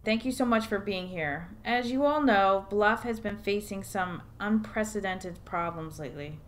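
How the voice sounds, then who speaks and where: A woman's voice: mid-range voice, moderate pace, close to an everyday voice. A woman playing a composed town official giving a formal speech in an audio drama. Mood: formal, grave.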